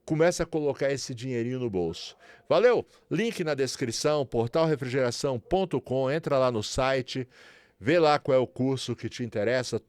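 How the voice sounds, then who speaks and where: Chatty Brazilian instructor, dry close sound. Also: male voice, medium pitch, animated, normal speed, darkish tone, no echo. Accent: Brazilian Portuguese, São Paulo. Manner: chatty, promotional, repeats tags like "certo?" and "beleza?". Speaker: refrigeration instructor. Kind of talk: casual tutorial talk to viewers.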